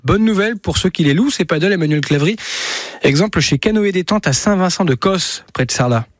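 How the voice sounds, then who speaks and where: A man's voice: high-pitched, expressive, a little fast, dry recording. A man co-hosting a morning radio show, playful and jokey. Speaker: radio co-host.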